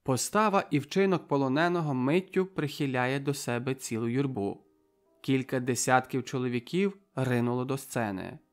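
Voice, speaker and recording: A man's voice: mid-range voice, normal speed, faint music behind. A man reading a novel aloud as audiobook narrator, in a vivid, dramatic manner.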